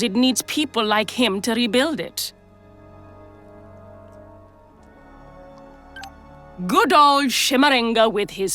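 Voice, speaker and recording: A woman's voice: fairly high pitch, a bit bright. A woman voicing a worldly, sardonic, protective brothel madam in a video game, with a theatrical, coaxing manner. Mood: wistful, exasperated. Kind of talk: scripted game dialogue.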